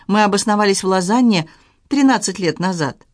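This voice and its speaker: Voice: mid-range voice, lively intonation, brisk, dry recording, studio quality, pitched above the performer's own voice, lightly acted. A reader voicing a young woman on the run who sounds tense and worried in an audiobook. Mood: anxious. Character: young female fugitive, anxious and evasive.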